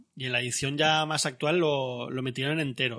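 A man's bright, sharp voice with vocal fry keeps a fairly even intonation against a quiet background. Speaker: podcast host. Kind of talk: casual chat.

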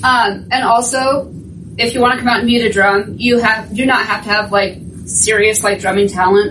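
Speaking at a moderate pace in an American accent, a woman keeps a fairly high pitch, fairly even intonation and very even loudness. Noticeable background noise and audible room echo surround her. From US Midwest, Des Moines, Iowa. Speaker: soccer supporters group leader. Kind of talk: casual interview.

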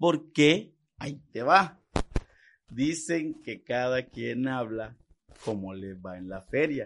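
Against a quiet background, a man with a medium pitch speaks very slowly with lively intonation, big swings in loudness, and long, frequent pauses. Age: 30s. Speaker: crime reporter. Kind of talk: casual chat.

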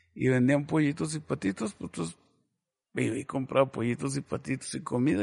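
Against a quiet background, a man with an unremarkable speaking voice talks at a fairly quick pace and fairly high pitch. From Mexico, Ciudad Juárez (Chihuahua). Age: 60s. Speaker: local television station director. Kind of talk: casual interview. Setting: office.

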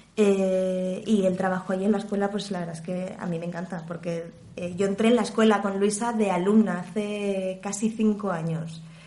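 A woman speaks at a moderate pace and a medium pitch with monotone, flat intonation and hardly any pauses. Audible room echo and noticeable background noise surround her. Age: 30s. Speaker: journalist and voice-over artist. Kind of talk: interview.

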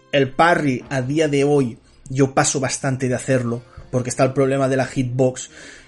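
Music plays in the background as a man of medium pitch talks at a moderate pace in a monotone, flat delivery. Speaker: podcast host, gaming. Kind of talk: casual chat, podcast banter. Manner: joking, informal.

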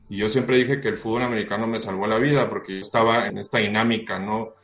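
Over noticeable background noise, a man talks at a fairly quick pace in a medium pitch, with monotone, flat intonation. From Mexico, Tijuana. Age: 30s. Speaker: human rights official. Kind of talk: interview.

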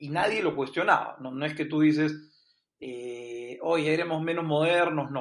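A man with a normal speaking voice talks at a fairly slow pace, his pitch fairly high and its variation ordinary. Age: 40s. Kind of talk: debate-style interview.

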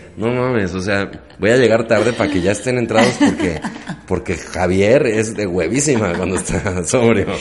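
With audible room echo and noticeable background noise, a man talks at a moderate pace in a fairly low pitch with ordinary pitch variation. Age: 30s. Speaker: comedian and podcast co-host. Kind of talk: casual chat. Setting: roof garden with echo.

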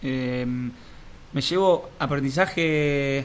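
A man with a Rioplatense accent speaks in a fairly high pitch, with ordinary pitch variation. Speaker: comedian and podcast host. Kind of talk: casual chat.

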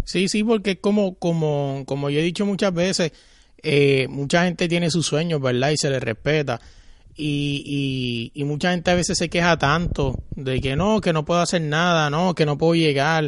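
A man with a strong Puerto Rican accent, fairly high in pitch, at a moderate pace over a quiet background. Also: ordinary pitch variation. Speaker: podcast host. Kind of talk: casual interview. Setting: in-person interview at guest's home.

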